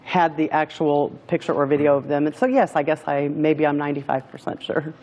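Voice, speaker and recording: A woman speaking as a talk show guest, hesitant and halting, often searching for her words as she tells her own story. Her delivery is unsure and careful. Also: deep voice, level tone, darkish tone. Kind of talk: emotional personal testimony.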